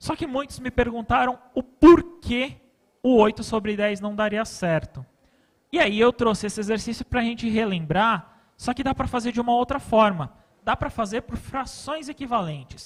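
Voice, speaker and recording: A man talks at a moderate pace in an extremely high pitch, with ordinary pitch variation. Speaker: math teacher. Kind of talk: lesson.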